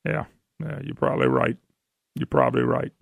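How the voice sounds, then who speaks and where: A man's voice: medium pitch, steady tone, moderate pace, creaky, no room sound, studio quality. A man hosting a political call-in radio show, folksy and emphatic, firing off rhetorical questions. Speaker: radio talk show host. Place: radio studio.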